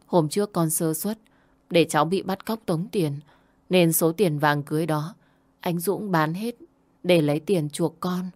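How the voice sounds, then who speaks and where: A woman's voice: lowish voice, a little slow, no echo, faint music behind. A woman voicing a frightened young wife and mother who begs forgiveness from her mother-in-law. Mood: pleading. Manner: pleading, apologetic.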